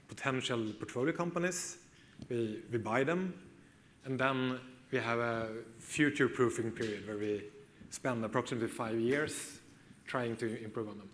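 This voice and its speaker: A man with a Swedish accent presents on a conference stage in a middle-pitched voice. He explains things steadily, with a few ums along the way, and a faint hum of the hall sits behind him. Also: a bit bright. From Sweden. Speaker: conference speaker. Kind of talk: conference talk.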